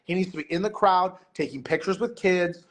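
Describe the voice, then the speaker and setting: Guy on a podcast rambling, like, um, kinda high voice. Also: a little fast. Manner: rambling, lots of "like" and "um". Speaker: guest, meet director and MC. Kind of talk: casual podcast chat.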